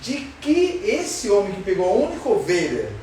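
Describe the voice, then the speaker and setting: Guy teaching bible class, high lively voice, far from the mic, super echoey room. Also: normal speed. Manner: asks the class questions, animated and emphatic. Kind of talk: Sunday school Bible lesson. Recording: roomy far-off sound with faint noise.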